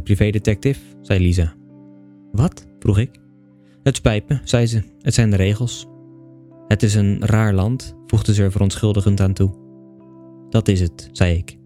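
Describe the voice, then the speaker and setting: A man reading a bedtime story aloud in calm, even scripted narration with a dry, understated manner. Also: lowish voice. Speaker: audiobook reader.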